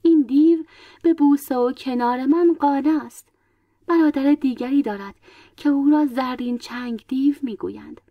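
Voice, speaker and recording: A woman's voice: high voice, no echo, lo-fi sound, lightly acted. A woman storyteller voicing a captive young princess who tells her plight plaintively. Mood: sorrowful.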